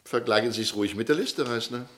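An actor playing a smug, goading police officer in a German radio crime play, speaking emphatically. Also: male voice, medium pitch, fast, close to an everyday voice. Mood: triumphant. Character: cocky, self-satisfied male police colleague presenting his suspect.

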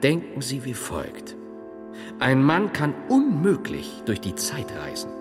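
Strict medieval monk, pedantic and logical, slow with big pitch swings, long hall reverb. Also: male voice, huge pitch swings, music in the background. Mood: grave, reasoning. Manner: solemn, precise, pedantic. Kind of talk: theatrical radio drama acting.

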